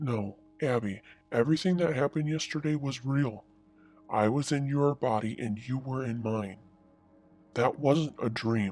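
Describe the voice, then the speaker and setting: Using a put-on character voice at a medium pitch, a man speaks at a moderate pace with long, frequent pauses while faint music plays in the background. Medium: read story. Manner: calm, soothing.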